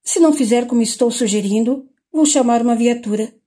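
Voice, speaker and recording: A woman with a Brazilian Portuguese accent reading the lines of a calm, firm male psychologist in a measured, steady way. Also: a little high, natural voice.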